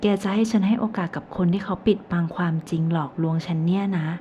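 A woman with a low, mellow voice reads a first-person romance novel aloud, calm and even in her storytelling. The recording sounds a little dull, with a faint hiss underneath. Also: quick pace. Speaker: audiobook narrator.

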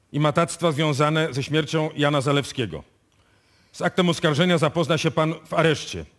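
Shrewd, animated police inspector. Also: male voice, on the high side. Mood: stern, commanding. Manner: deliberate, explanatory, authoritative. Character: shrewd, self-assured male police inspector unravelling a case. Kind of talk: live radio play acting.

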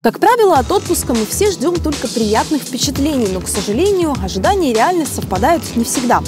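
A woman explains a news story in even, scripted narration. Her voice is fairly high, with clear music behind it. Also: brisk. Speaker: news presenter. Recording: voice-over with music underneath.

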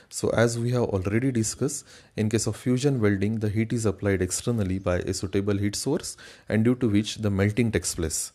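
A man's voice: on the low side, mellow. A man giving a methodical slide lecture, reading each point and then restating it in his own words. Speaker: engineering lecturer.

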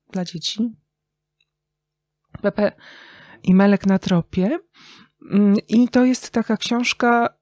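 A woman's voice: medium pitch, darkish tone, no echo. Thoughtful woman in a dry-sounding interview. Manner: thoughtful, halting phrasing with pauses. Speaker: interview guest, writer and radio journalist. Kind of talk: reflective conversational interview.

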